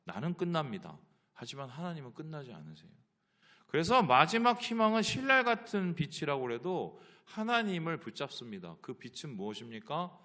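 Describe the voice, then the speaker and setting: A man's voice: fairly high pitch, sing-song, moderate pace, sharp tone. A male pastor preaching a sermon, asking the congregation rhetorical questions.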